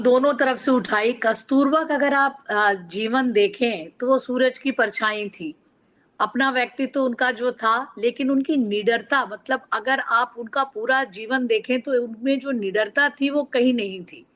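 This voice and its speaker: Middle-aged woman author from Bihar, guest; earnest, reflective, slightly high voice. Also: fairly bright tone. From Bihar, India. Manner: earnest, reflective, personal anecdotes. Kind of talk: interview answers.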